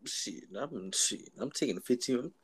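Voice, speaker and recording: A laid-back young man swaps stories with a friend in easy slang, trailing off into mumbled asides. His pitch sits in an ordinary middle range. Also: animated, normal speed, slightly rough, low-quality recording. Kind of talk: casual chat between friends.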